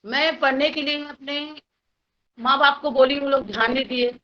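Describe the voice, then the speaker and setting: A woman's voice: high voice, steady tone, moderate pace. A woman with a Chhattisgarhi accent, speaking as a guest and telling her life story earnestly, acting out the voices of the people she quotes. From Chhattisgarh, India. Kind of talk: personal life story talk. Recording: dull lo-fi recording.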